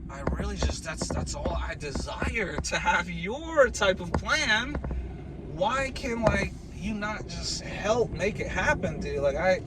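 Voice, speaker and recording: Young dude with a high voice venting, says dude every other line, loud car rumble behind. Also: male voice. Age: 20s. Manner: says "dude" constantly, rambling with restarts. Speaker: vlogger. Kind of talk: casual rambling rant. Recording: loud vehicle noise behind.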